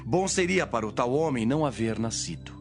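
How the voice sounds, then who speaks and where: Casting: a man to play a grave, authoritative holy teacher in Bible audio drama, mid-pitched, measured, declamatory, with background music. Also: animated, natural voice. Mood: grave, prophetic.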